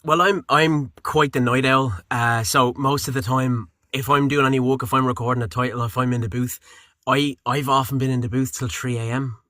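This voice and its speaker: A man's voice: mid-range voice, fairly even intonation, moderate pace, pushed and bright, dry recording, clean studio sound. A man working as a voice actor and narrator, chatting casually in an interview, rambling with many fillers and restarts.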